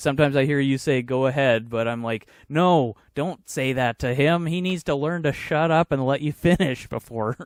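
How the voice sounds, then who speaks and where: A man at a fairly high pitch and moderate pace, ordinary pitch variation, hardly any pauses, the sound dry and close with no echo. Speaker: gaming YouTuber and podcast co-host. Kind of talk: casual chat. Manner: interrupts often.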